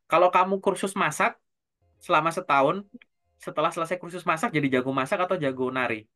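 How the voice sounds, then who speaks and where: A man coaching job seekers in a relaxed conversation, explaining with everyday examples and asking questions to check that his listener follows. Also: on the high side, a little fast, faint music behind. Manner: keeps tagging sentences with a casual filler. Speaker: career coach.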